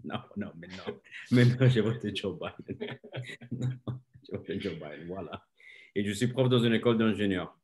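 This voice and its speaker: A man in his thirties from Nicaragua, introducing himself on a video call with a deadpan joke. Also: fairly low pitch, normal speed. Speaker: guest, engineering school teacher.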